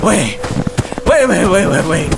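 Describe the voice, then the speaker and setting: A man playing a flustered, bumbling corporate henchman with a halting, stammering delivery in a comedic audio drama. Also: high voice, big pitch swings, gravelly, full character voice. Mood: confused. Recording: very noisy storm ambience.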